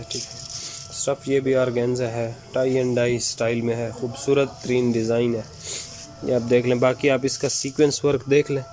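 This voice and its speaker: A man with an unwell, sore-throated voice gives a casual online sales pitch item by item, repeating his catchphrases to viewers. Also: a little mellow. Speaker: shop presenter selling women's suits. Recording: clear background noise, room ambience.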